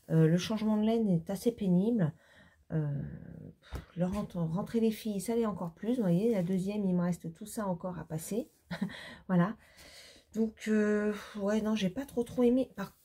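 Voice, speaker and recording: The speaker is a knitting vlogger, a middle-aged woman from France, who rambles casually to camera with many fillers. She has a dark, husky mid-range voice and sounds weary and still congested after a bout of laryngitis.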